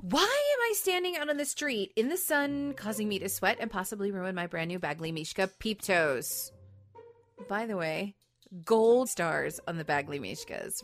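A voice actress with a gravelly, lowish voice records lines into a studio microphone. Between takes she chats in a playful, self-mocking way, captured as session outtakes.

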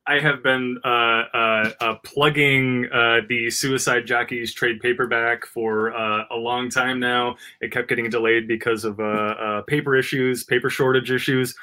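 Bright-voiced man, rambling podcast co-host. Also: medium pitch, little pitch movement, unhurried, hardly any pauses. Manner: rambling, full of "uh" fillers, jokey. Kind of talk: casual podcast chat.

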